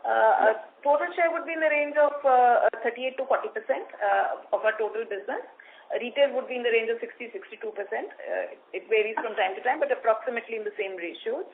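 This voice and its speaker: A woman with an Indian accent speaking haltingly as a company executive answering questions on an earnings call. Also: a little high. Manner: halting, hesitant delivery. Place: conference phone call. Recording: tinny phone line with noise.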